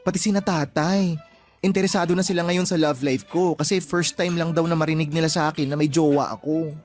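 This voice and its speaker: A flamboyant young gay man as a male actor plays him in a radio drama, speaking in a sassy, gossipy, campy way. He leans on slangy phrasing like a friend spilling a secret, with soft music underneath. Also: a little high, fairly even intonation, a little fast, natural voice. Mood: confiding, worried. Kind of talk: radio drama dialogue, colloquial Tagalog with English slang.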